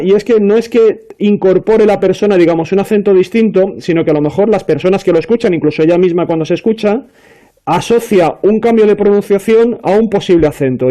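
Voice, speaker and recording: Panelist, man, high voice, mellow tone, chatty and explanatory. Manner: explanatory, many fillers and restarts. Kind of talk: casual panel discussion.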